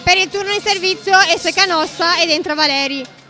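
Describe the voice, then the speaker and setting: A woman's voice: extremely high pitch, normal speed, pushed and bright, faint music behind. A woman giving live play-by-play commentary on a volleyball match.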